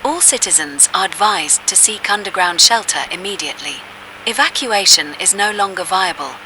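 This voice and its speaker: A woman's voice: mid-range voice, animated, moderate pace, bright, forceful tone. A woman playing a grave government announcer, reading a formal emergency broadcast in a composed, official way. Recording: clearly noisy emergency broadcast.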